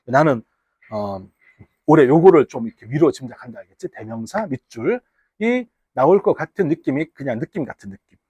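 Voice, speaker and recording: A man from the Gyeongsang region teaching high school English in a classroom, chatty and teasing, bantering with his students. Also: very animated, brisk, warm tone, breathy edge. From Gyeongsang region, Korea. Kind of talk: casual classroom lecture. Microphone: wearable mic.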